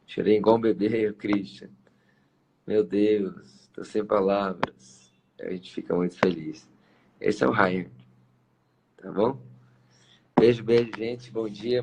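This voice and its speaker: A man's voice: lowish voice, vocal fry, darkish tone, a little hiss or hum, rough recording. A man hosting a Christian live stream, talking in an effusive, emotional way and repeating himself. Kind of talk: casual live-stream farewell.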